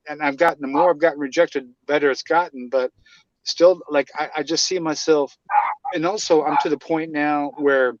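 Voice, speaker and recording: A man's voice: on the high side, no echo. A man in his forties talks over a muffled call line in a dry, close sound. He rambles, stammering and restarting as he works through his question. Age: 40s. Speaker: caller. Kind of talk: casual group call.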